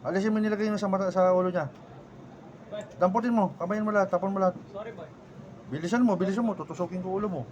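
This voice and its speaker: A man's voice: high-pitched, steady tone, fast talker, pauses often, a little mellow, slight background noise. A man from the Philippines working as a folk healer, giving urgent, commanding orders and scolding during a healing ritual outdoors.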